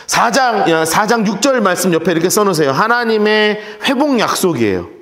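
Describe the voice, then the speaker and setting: Animated high-voiced male pastor in echoey hall. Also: fairly quick. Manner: emphatic, repeating phrases with rising intensity. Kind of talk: Bible study sermon. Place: church sanctuary.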